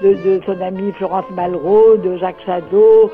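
An older woman who runs a hotel, recalling the past in an interview. She speaks haltingly and restarts her sentences often. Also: mid-range voice, fairly even intonation. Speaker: hotel owner. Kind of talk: interview recollection. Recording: tinny phone-like audio with music.

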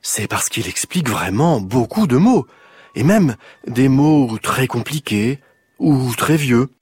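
A man voicing a kind, patient old grandmother who explains things gently in a storybook reading. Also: medium pitch, expressive, takes it slowly, breathy edge, no echo, faint music behind, pitched above the performer's own voice, full character voice. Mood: explaining.

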